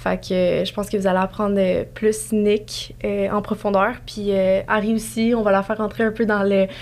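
A woman speaks at a moderate pace with hardly any pauses. Her loudness stays very even. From Morocco. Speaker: podcast co-host. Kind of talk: casual chat. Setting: studio.

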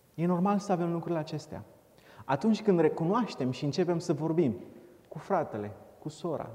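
A man with a high pitch speaks at a moderate pace. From Romania. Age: 20s. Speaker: lay preacher. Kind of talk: sermon. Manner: hesitant, with fillers.

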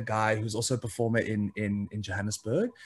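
A man talks in a somewhat breathy voice. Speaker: performer and theatre producer. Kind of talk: casual interview.

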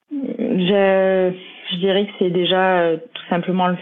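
A woman in an ordinary speaking voice, fairly low-pitched, at a fairly slow pace. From France, Lozère (Mende). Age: 30s. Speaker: professional triathlete. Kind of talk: interview.

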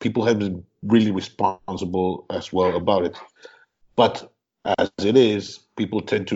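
At a moderate pace, a man speaks in a fairly low, monotone voice with flat intonation. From Mexico. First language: Spanish. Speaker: drama teacher. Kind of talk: casual interview chat.

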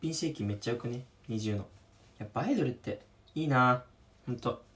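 Talking at a very fast pace, a man has a somewhat breathy, medium-pitched voice with ordinary pitch variation. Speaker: solo podcaster doing an ASMR cooking diary. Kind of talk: casual solo chat while cooking. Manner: speech others say sounds effeminate.

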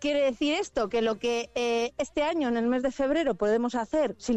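A woman with a high voice talks fairly slowly. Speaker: farmer. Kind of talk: phone interview. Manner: halting.

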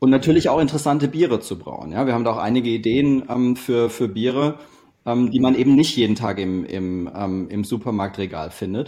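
A man's dark, mellow voice at medium pitch, fairly quick in pace, with ordinary pitch variation. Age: 40s. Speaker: physicist and startup founder. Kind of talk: interview. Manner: halting, many fillers.

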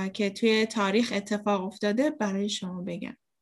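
A woman speaks at a moderate pace in a fairly high, somewhat breathy voice, on a very clean recording with a silent background. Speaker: interpreter. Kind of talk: consecutive interpretation of bible class.

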